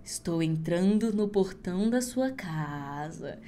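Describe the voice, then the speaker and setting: A woman voicing a forest witch who creeps closer to a little girl, calling her in a slow, drawn-out, menacing way. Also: lowish voice, animated, mellow, slight background noise, pitched below the performer's own voice.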